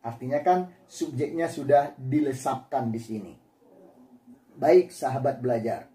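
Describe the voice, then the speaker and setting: A man's voice: mid-range voice, unhurried, dark tone, echoey room. A man teaching a language lesson, explaining patiently and acting out example intonations. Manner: demonstrates intonation by repeating words. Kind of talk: classroom lecture.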